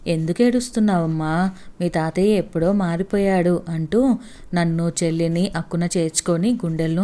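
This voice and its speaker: A woman narrating a heartfelt story with a steady, measured reading. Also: fairly low pitch.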